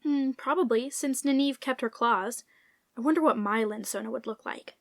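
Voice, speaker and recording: A sensible young sidekick acted by a woman in an audio comedy. She is sceptical and matter-of-fact, speaking in a very high voice. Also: normal speed, natural voice. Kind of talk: audio fiction comedy acting.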